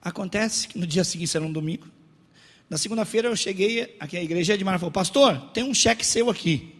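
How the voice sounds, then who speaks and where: A man preaching a sermon as pastor, telling stories in an animated way and acting out the people he quotes. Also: high voice, quick pace. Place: church sanctuary. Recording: long church reverb.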